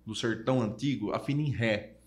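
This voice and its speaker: A man's voice: mid-range voice, fairly quick. Man, interview host, brief replies, curious questions, casual chat.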